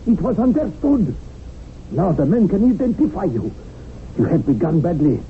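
An actor playing a domineering, fanatical revolutionary commander in a 1970s radio drama, with an imperious, patronizing manner. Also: male voice, high-pitched, big pitch swings, moderate pace. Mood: stern, commanding. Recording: muffled, noisy 1970s radio broadcast.

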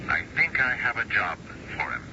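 An actor in a 1970s radio drama playing a smooth, wheedling suitor heard through a telephone filter. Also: male voice, medium pitch, big pitch swings, moderate pace. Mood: coaxing. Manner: wheedling, endearing. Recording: dull, noisy radio telephone sound.

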